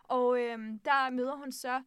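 A woman's voice: sits high, fairly even intonation, clear, resonant tone. A young woman talking bluntly and emphatically in a casual book discussion with friends.

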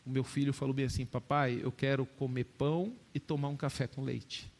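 A man's voice: level tone, normal speed. A male preacher telling a testimony in a sermon, addressing the congregation as dear ones and building to emphatic peaks. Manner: storytelling, addresses the listeners as "dear ones" again and again; rises to high, loud emphatic peaks in his preaching.

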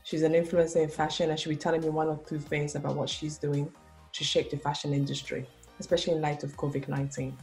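A woman hosting an interview show, asking questions in a halting, self-correcting way. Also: deep voice, level tone, a little mellow, soft background music. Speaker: host.

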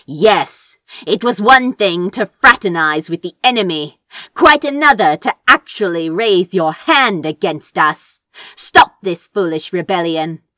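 A woman's voice: lowish voice, animated, unhurried, bright, forceful tone, dry recording. Woman playing a stern, imperious demon lord. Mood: stern, commanding. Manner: imperious, formal. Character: stern, commanding demon lord issuing cold ultimatums.

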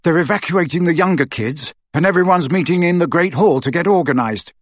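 A man's voice: a little high, fairly quick, dry recording, pitched above the performer's own voice, lightly acted. A man voicing an urgent teenage boy wizard. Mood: determined.

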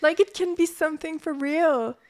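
Young woman podcast cohost, bit high-pitched, blunt and quick to react. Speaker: podcast co-host. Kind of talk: casual chat.

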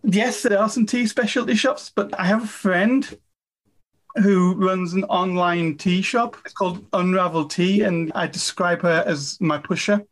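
A woman's voice: on the low side, steady tone, unhurried. Chatty, self-mocking woman in her fifties. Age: 50s. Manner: chatty, enthusiastic, self-deprecating. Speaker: author and guest. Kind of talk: casual interview chat.

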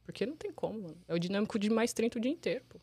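A woman, a rideshare driver telling stories in a slangy, animated way on a casual podcast. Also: mid-range voice, slightly rough. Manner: animated, slangy, quick storyteller.

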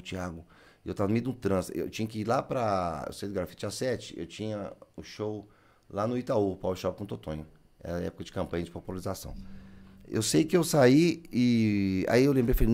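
A man's voice: low-pitched, darkish tone. A Brazilian man, telling a story in casual chat and acting out the lines he quotes.

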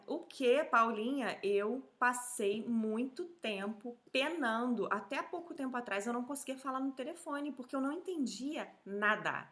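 Bright lively Brazilian woman. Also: a little high, normal speed, few pauses. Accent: Brazilian Portuguese. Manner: animated storyteller, laughs often. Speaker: interview guest. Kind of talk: casual chat.

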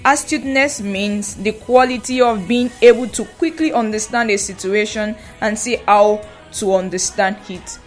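A woman co-hosting a radio show, teaching vocabulary. She spells and defines each word slowly and carefully, and repeats her example sentences. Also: mid-range voice, soft background music. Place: radio studio.

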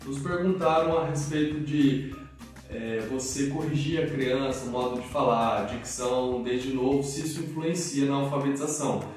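A man's voice: medium pitch, moderate pace, a little mellow. Man hosting a live stream, echoey. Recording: echoey room, far from mic, faint music.

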